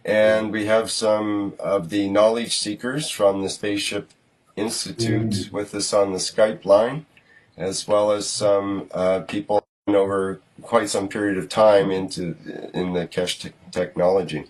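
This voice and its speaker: A man hosting an online workshop, talking slowly and haltingly with many fillers. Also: on the low side, flat delivery, poor audio. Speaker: host.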